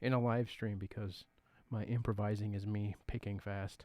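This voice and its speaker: A soft-spoken man at a fairly low pitch with fairly even intonation, on a very clean recording with a silent background. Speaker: guitarist streamer. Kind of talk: casual live stream chat. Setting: live stream.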